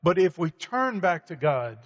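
Emphatic preacherly man, slightly high voice. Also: sing-song, measured pace. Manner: emphatic, preacherly, many fillers. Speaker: guest speaker. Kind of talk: conversational preaching. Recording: hall reverb.

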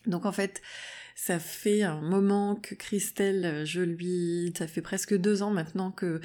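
A woman's voice: on the low side, fairly even intonation, a little slow, dark tone. Hesitant woman hosting a podcast. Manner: hesitant, many fillers and restarts. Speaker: podcast host, naturopath. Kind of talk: casual solo podcast talk.

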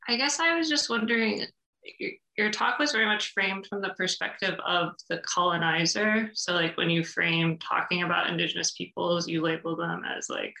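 Bright, creaky woman in an echoey room. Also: fairly low pitch, steady tone, normal speed. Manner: earnest, challenging, hedged with "like" and "kind of". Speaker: audience member questioning a speaker. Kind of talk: spoken critical question at an academic talk. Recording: echoey, roomy pickup.

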